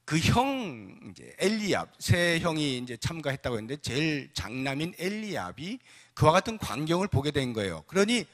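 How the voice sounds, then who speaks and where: A male pastor delivering an animated sermon with a high, lively voice that swings from quiet asides to fervent outbursts. Long reverb fills the church sanctuary around him. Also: normal speed. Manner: animated, acts out scripture characters, swings from soft asides to fervent exclamations.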